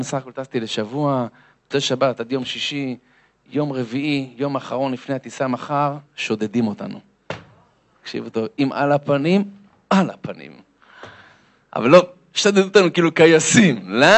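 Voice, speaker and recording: A man, a lecturer, telling a comic story to an audience and acting out the voices and sounds in it. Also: mid-range voice.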